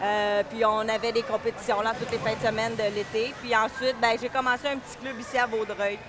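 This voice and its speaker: A woman's voice: fairly high pitch, flat delivery, a little fast, noisy background. A woman in her thirties with a Québécois French accent, talking casually as an interview guest, hesitant with many fillers and restarts. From Quebec, Canada. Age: 30s. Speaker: guest, diving club vice-president and coach. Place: indoor pool area.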